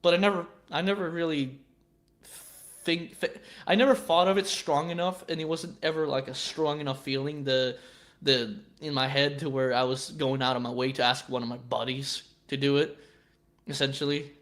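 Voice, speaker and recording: A man's voice: medium pitch, steady tone, moderate pace, a bit bright. A man in his twenties chatting casually on a live stream, rambling and swearing freely, with many stammered restarts. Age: 20s.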